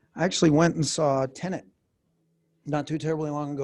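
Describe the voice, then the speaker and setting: Over a quiet background, a man speaks at a very fast pace. He has a Minnesotan accent and a fairly high pitch. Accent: Minnesota. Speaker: professor. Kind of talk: lecture.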